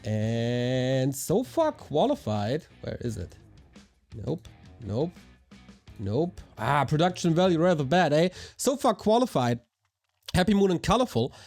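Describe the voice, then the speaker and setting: A man with a hoarse voice, casting a live strategy game match in an energetic, chatty way while thanking viewers. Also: on the high side, a little slow, faint music behind. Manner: energetic, chatty, talks to chat. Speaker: esports caster. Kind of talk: live game commentary with chat shout-outs.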